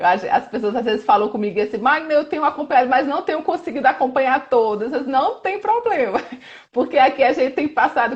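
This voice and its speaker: Very wide pitch swings in a woman's high voice. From Brazilian Northeast, Campina Grande, Paraíba. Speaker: live stream host, interviewer. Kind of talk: casual interview. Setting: online live stream.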